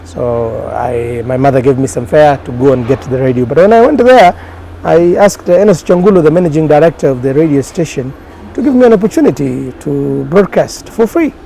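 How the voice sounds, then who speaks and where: A man's voice: on the high side, lively intonation, fairly quick, vocal fry, warm tone, a little hiss or hum, rough recording. A man from Kenya whose first language is Somali, a journalist telling his career story in a casual interview, with many fillers and restarts. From Kenya, grew up in Garissa. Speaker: journalist guest.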